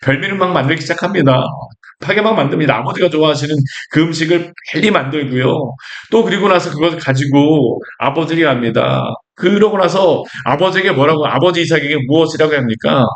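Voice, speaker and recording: A man's voice: fairly high pitch, fairly quick. A male pastor preaching a sermon in a conversational way, asking his listeners rhetorical questions and acting out lines from scripture.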